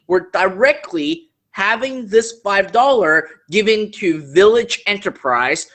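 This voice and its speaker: Bright-voiced man pitching earnestly. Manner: earnest, persuasive, keeps checking in with "okay?"; speaks English as a second language. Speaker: host. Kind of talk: live online business Q&A pitch.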